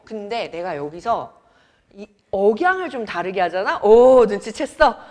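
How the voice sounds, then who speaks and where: A young adult woman from Seoul teaching grammar in a classroom, chatty and teasing as she quizzes her students. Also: on the high side. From Seoul, South Korea. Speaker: academy Korean teacher. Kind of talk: classroom lecture.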